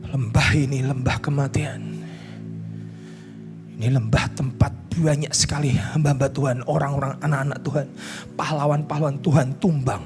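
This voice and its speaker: A man with an Indonesian accent preaching a sermon as pastor, telling a story that swings between hushed lines and shouted climaxes. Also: mid-range voice, steady tone, moderate pace, over music. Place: church stage at a pastors' conference.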